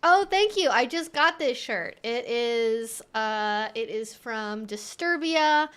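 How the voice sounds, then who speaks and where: High-voiced woman chatting on a livestream. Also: animated, slow pace, fairly bright tone, smooth. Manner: informal, rambling, thinking aloud. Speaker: livestream host and educator. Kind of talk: casual livestream Q&A chat.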